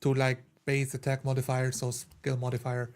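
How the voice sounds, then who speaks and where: A man with a medium-pitched voice talks informally as a tabletop player. His delivery is halting, circling back over words while he thinks through the rules. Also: monotone, a little mellow. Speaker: tabletop role-playing player. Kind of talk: casual chat about game rules.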